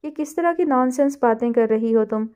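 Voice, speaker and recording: A woman's voice: on the high side, warm tone, lightly acted. A woman voicing a defensive, earnest young heroine in a storybook reading.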